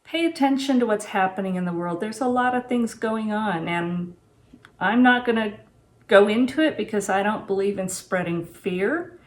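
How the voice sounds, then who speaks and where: A woman's voice: mid-range voice, expressive, normal speed. A woman in her sixties talking casually and unscripted to camera in a home kitchen, plain-spoken and reflective, like a vlogger giving practical advice. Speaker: homesteading vlogger reviewing gear and giving advice.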